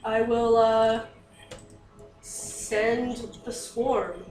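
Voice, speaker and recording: A woman playing a tabletop game, talking casually and somewhat haltingly. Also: on the high side, steady tone, darkish tone, recorded from a distance. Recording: echoey room, off-mic, faint music. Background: faint music.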